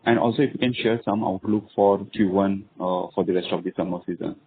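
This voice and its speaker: A man's voice: low voice, fairly even intonation, brisk, breathy edge. A man with an Indian accent asking questions as an analyst on a call, polite, deferential and hesitant. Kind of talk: spontaneous questions on conference call. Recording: narrowband phone line.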